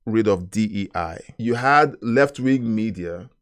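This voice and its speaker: A man hosting a reaction channel, giving animated political commentary and talking to his chat, often rising into emphatic loud stretches. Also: on the low side, a little slow.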